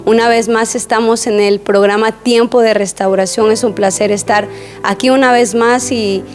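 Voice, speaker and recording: A woman hosting a Christian TV program, interviewing a guest in a pastoral way, often repeating words and murmuring agreement. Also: mid-range voice. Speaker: church program host.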